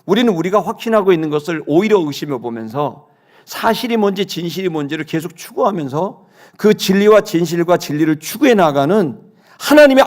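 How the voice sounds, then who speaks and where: Impassioned pastor with a higher voice. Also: male voice. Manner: impassioned, indignant, swings between hushed and loud. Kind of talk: sermon with personal storytelling. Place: church sanctuary.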